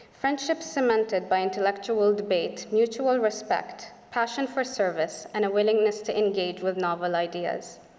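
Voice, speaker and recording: Against noticeable background noise, a woman with a fairly high pitch talks at a moderate pace, with ordinary pitch variation, very even loudness and hardly any pauses. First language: Arabic. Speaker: alumni speaker, government official. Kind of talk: formal speech. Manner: formal.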